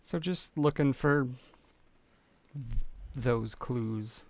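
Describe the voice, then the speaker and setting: A man chats as a player in a tabletop game. His voice is creaky and medium in pitch, with a laid-back, wry, joking delivery. The sound is close and dry. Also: extremely slow, no echo. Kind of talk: casual, joking game chat.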